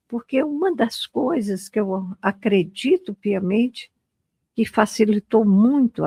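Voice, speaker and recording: A woman with a fairly high pitch and a dark, mellow tone speaks very slowly and somewhat breathily, in a dry, close sound with no echo. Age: 80s+. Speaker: therapist and spiritual teacher. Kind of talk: interview testimony.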